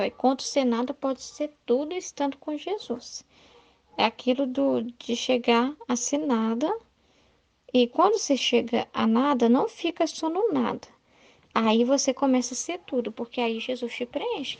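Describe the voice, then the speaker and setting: High gravelly Brazilian woman teaching. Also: darkish tone, no echo, highs cut off. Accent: Brazilian Portuguese. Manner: earnest, explanatory, frequent "né?" and "entendeu?". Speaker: Catholic study leader. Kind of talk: devotional teaching talk.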